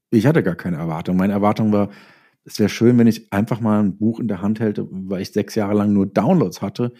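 A man's voice: lowish voice, warm tone, husky. A man speaking as a guest in a casual interview, thinking aloud with repeated words and self-corrections.

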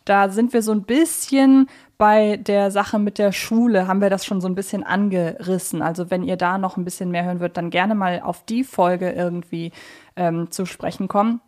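A woman's voice: mid-range voice, fairly even intonation, moderate pace, a little mellow. Chatty woman co-hosting a podcast. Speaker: podcast co-host. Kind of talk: conversational podcast discussion.

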